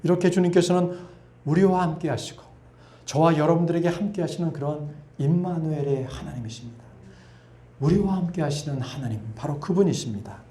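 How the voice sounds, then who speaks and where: A middle-aged male pastor preaching an earnest sermon, sometimes softly voicing God's gentle words. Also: a little high, brisk. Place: church sanctuary. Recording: echoey church hall.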